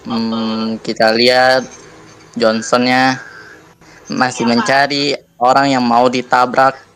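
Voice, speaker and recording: A man's voice: medium pitch, little pitch movement, slow pace, fairly bright tone, a little hiss or hum, rough recording. A man with a speech impediment on his r sounds, commentating live on a game in a casual, chatty way. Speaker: esports caster, streamer.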